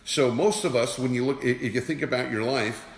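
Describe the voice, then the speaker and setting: A man's voice: mid-range voice, brisk, creaky. A man giving a motivational teaching talk as an energy awareness teacher, emphatic and repeating rhetorical questions. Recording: roomy with long reverb.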